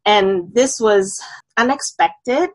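Woman from Indonesia, thirties, podcast guest, hesitant and halting. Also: on the high side, expressive, low-quality recording. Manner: hesitant, with many filler sounds. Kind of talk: interview.

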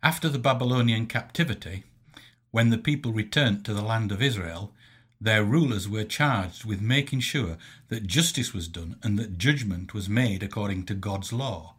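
Husky-voiced man reading a formal lecture. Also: fairly low pitch, fairly bright tone. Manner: measured, didactic, emphatic enunciation of quotations. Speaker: Christian lecturer. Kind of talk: formal scripted theological lecture read aloud.

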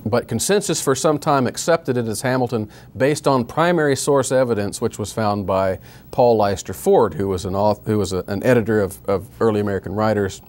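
A man giving a history lecture in a measured way, reading out period quotations with rhetorical emphasis and a few restarts. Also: fairly low pitch, darkish tone.

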